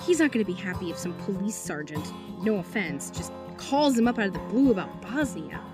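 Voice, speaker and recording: An actress playing a flustered, rambling aide to a senator, talking to the police. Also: female voice, mid-range voice, big pitch swings, fairly quick, over music, close to an everyday voice. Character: harried female political aide, chatty and evasive. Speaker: senator's deputy. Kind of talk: audio drama acting.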